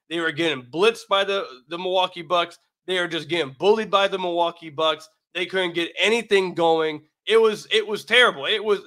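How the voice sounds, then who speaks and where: American guy doing solo sports podcast, sharp forceful voice, kinda high, sounds sick and losing it a bit, emphatic. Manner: emphatic, repeats phrases for emphasis. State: sick, losing his voice, slightly raggedy. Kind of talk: solo basketball commentary with sponsor read.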